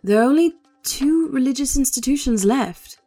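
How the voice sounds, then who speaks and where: A woman's voice: sits high, expressive, normal speed, dark tone, faint music behind. A woman playing a matter-of-fact informant giving a briefing in an audio drama.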